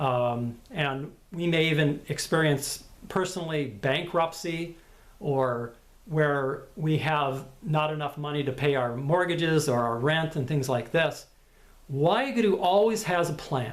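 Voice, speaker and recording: Speaking at a fairly slow pace, a man with a fairly high pitch is heard with audible room echo. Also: ordinary pitch variation. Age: 60s. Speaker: Sikh elder sharing spiritual advice. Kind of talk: personal talk to camera. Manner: hesitant, many fillers.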